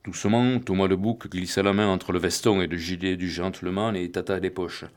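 A man with a fairly low voice reads a crime novel aloud, telling the story in a steady, even way. It is a plain audiobook narration. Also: brisk.

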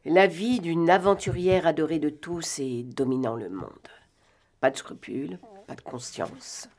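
A woman's voice: a little slow, a little mellow. A woman voicing a weary guilt-ridden adventuress. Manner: murmured, weary, low. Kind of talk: audiobook reading.

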